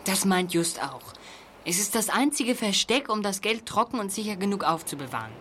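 Casting: earnest teen sleuth for radio drama, light young voice, lively intonation, noisy ambience. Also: male voice, sits high, normal speed, heavily acted. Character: polite, earnest teenage boy detective. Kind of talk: German radio play acting.

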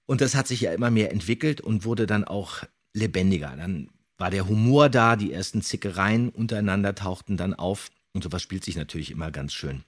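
A man's voice: low-pitched, expressive, brisk, few pauses. A man who hosts a podcast and voice acts, commenting casually and animatedly on audio dramas, with theatrically quoted lines. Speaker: podcast host and voice actor.

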